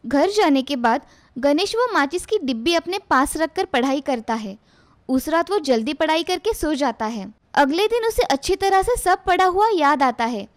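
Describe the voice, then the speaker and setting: A woman narrating a moral cartoon story in a plain, steady storybook manner. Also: high-pitched, moderate pace.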